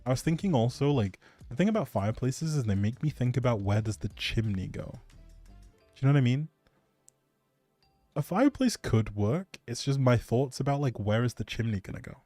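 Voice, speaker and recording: A man's voice: medium pitch, lively intonation, fairly quick, warm tone, no echo. A man hosting a casual gaming livestream, chatting with viewers in a rambling, hesitant way and often trailing off. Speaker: livestream gamer host. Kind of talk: casual chatty livestream commentary, replying to chat. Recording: music playing behind the voice. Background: background music.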